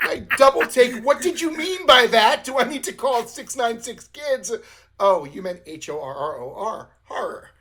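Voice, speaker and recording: With an American accent, a man speaks at a moderate pace in a raised, projected voice that is extremely high in pitch, bright and sharp in tone, and full of very wide pitch swings. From New York. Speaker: comics podcast host. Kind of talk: casual chat.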